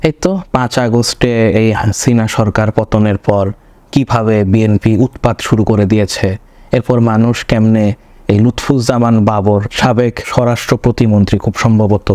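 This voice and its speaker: A young man with a voice slightly hoarse from a cold, talking through his thoughts in a rambling home vlog and often correcting himself. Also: lowish voice, a little mellow, no room sound. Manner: rambling, self-correcting, searching for words. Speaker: vlogger. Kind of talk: casual personal vlog commentary. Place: home room.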